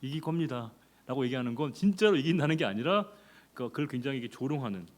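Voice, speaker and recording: A male pastor preaching an expository sermon in a conversational way, asking the congregation rhetorical questions and jumping in pitch and volume for emphasis. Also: animated, fast talker.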